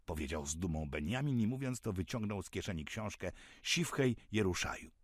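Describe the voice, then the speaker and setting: A man narrating an audiobook in a measured, expressive reading. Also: low-pitched, slightly rough, no room sound, clean studio sound.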